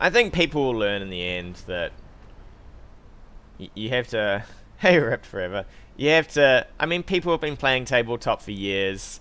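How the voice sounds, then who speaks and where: A man's bright, sharp voice in a New Zealand accent, with very wide pitch swings, big swings in loudness, long, frequent pauses and a very clean, silent background. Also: medium pitch for a man, moderate pace. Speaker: video game streamer. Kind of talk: live gameplay commentary. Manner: casual, thinking aloud.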